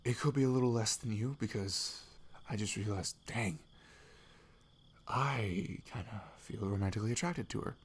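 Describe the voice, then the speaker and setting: A man playing a sweet, nervous young best friend in an intimate ASMR roleplay, speaking haltingly with a husky, breathy voice that drops toward whispers. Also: fairly low pitch. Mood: earnest, relieved. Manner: hesitant, halting, slipping into whispers.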